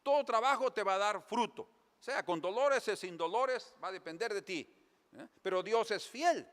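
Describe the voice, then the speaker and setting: A man preaching a sermon as pastor, telling lively stories in a church. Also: high voice, normal speed. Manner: lively storytelling preacher, animated. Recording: long church reverb.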